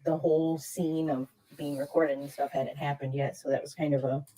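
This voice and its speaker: Mellow, measured man in discussion. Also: on the high side, flat delivery, rough recording.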